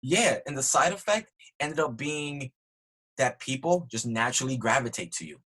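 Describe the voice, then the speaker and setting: A man being interviewed as a podcast guest, talking earnestly and growing animated when excited. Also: medium pitch, moderate pace. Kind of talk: conversational interview.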